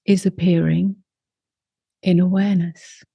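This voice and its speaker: Woman, meditation teacher, mellow tone, gentle breathy delivery, dry close sound, unhurried short phrases, long pauses. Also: fairly low pitch, level tone, no room sound, lo-fi sound. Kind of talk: slow guided meditation.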